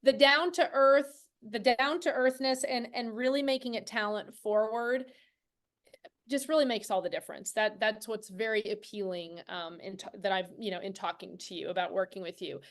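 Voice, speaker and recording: A woman's voice: medium pitch, normal speed. A woman hosting a casual interview, effusive and agreeable as she talks with her guests. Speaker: interviewer, podcast host.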